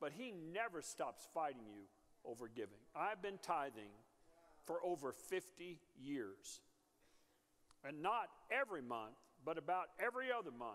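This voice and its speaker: A man with an American accent talks at a moderate pace, his pitch fairly high and swinging very widely. He leaves long, frequent pauses. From Texas. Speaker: guest preacher. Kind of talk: sermon. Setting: church. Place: church. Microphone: lapel.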